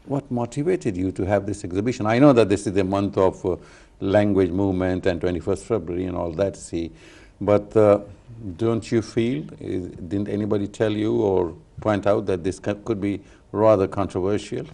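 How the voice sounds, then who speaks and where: A man hosting a TV talk show, interviewing a guest in a studio with a halting, stop-start manner. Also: on the low side, fairly even intonation, creaky, mellow. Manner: halting, many restarts and fillers.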